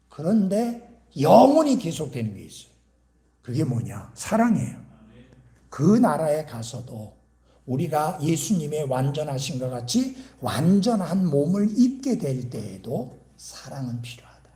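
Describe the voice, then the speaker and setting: A man's voice: sits high, dark tone. A man preaching at a church revival meeting, asking the congregation rhetorical questions and sometimes dropping his voice to a whisper. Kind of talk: sermon.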